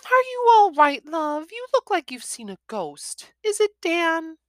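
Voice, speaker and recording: A woman reading aloud, voicing a worried mother who scolds sharply and then turns tender, in a high fussing voice. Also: very animated, measured pace, dry recording, studio quality, exaggerated voice. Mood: fretful tender.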